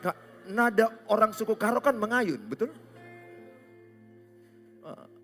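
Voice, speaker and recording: A man's voice: high-pitched, lively intonation, measured pace, pushed and bright, faint music behind. A man from Indonesia, preaching a humorous sermon as a pastor, often acting out little dialogues. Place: church stage.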